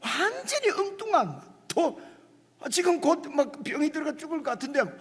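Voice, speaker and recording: A man's voice: extremely high pitch, big pitch swings, normal speed, a bit bright. A male pastor preaching a midweek sermon, in a conversational way with frequent asides to the congregation. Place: church sanctuary. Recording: long church reverb.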